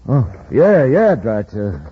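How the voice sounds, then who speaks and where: An actor playing a rough, shifty henchman who agrees with his boss in a 1950s radio drama, heard on a dull old radio recording. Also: mid-range voice, big pitch swings, takes it slowly, heavily acted. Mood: scheming. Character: shifty male henchman, thug.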